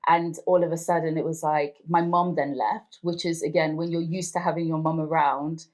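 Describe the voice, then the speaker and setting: A woman's voice: sits low, little pitch movement, moderate pace. A woman in her thirties from Zimbabwe, whose first language is Ndebele, reflecting in a conversational way during an oral history interview. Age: 30s. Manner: reflective, conversational, warm storytelling.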